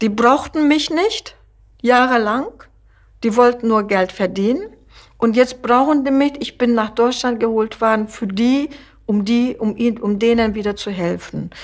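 A woman's fairly high voice with a Turkish accent, ordinary pitch variation and a fairly slow pace, over a quiet background. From Turkey, Istanbul. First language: Turkish (speaking German). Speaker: former cosmetician; interviewee. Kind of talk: personal testimony. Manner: hesitant, many filler sounds. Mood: reflective, sometimes resentful. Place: home room.

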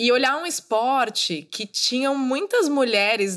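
A woman speaking at a fairly slow pace, lively intonation, over a quiet background. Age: 30s. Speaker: podcast host. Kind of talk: motivational monologue. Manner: animated. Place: home room. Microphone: studio mic.

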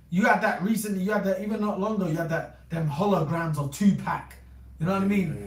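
Fairly quick speech with ordinary pitch variation, audible room echo, and light background noise. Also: man. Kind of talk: casual religious discussion. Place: home room. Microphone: camera far.

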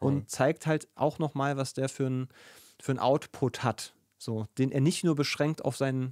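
Against a quiet background, a man with a fairly high pitch speaks at a moderate pace in a dry sound with no echo. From Hamburg, northern Germany; Germany. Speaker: music podcast host. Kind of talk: casual chat. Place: studio. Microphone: studio dynamic mic; studio mic.

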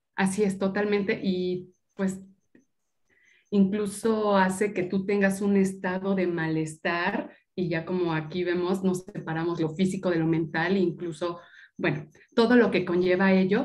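Fairly slow pace and fairly even intonation in a woman's unremarkable speaking voice, pitched in the medium range. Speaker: psychology student. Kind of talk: class discussion. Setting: video call.

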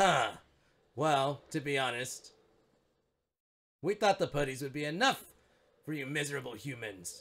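A man does a put-on character voice that is loud, shrill, and fairly high-pitched. He speaks at a moderate pace with long, frequent pauses. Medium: actual play. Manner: scornful, imperious.

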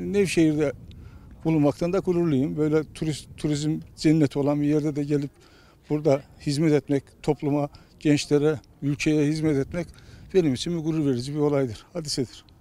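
A man with a dark, mellow tone and fairly high pitch, at a moderate pace with fairly even intonation, in a dry sound with no echo. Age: 70s. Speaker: amateur footballer. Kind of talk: interview; interview answer. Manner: halting, many fillers. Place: stadium. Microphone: handheld.

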